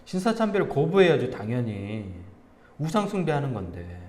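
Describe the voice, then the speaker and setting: Lively Korean pastor in echoing hall. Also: male voice, medium pitch, normal speed. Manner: animated, asks the congregation questions, tells anecdotes with laughter. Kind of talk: conversational sermon. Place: church sanctuary. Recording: reverberant church hall.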